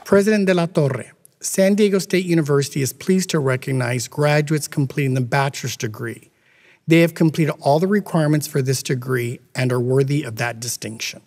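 A middle-aged man presenting graduates at a university ceremony in a measured, formal way, speaking at a podium on stage. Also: on the high side, darkish tone. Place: stage with podium and red curtains. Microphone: podium mic. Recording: long hall reverb.

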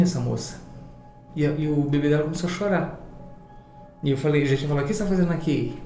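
Animated Brazilian man in an echoey room. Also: fairly high pitch. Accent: Brazilian Portuguese. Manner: animated, swearing, acts out voices in his story. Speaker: interviewee. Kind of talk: casual storytelling in an interview.

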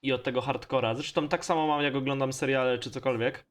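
A man's voice: mid-range voice, fairly even intonation, fast, a little hiss or hum. A man with a Polish accent giving casual, slangy, mildly profane gaming commentary as host of a let's play. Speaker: gamer hosting a let's play series.

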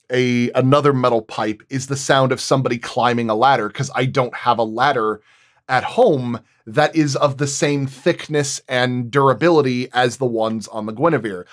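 A man talking casually as a sound designer on a roundtable, explaining things through animated anecdotes and acting out quoted remarks. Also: medium pitch. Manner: animated storytelling, acts out quoted dialogue.

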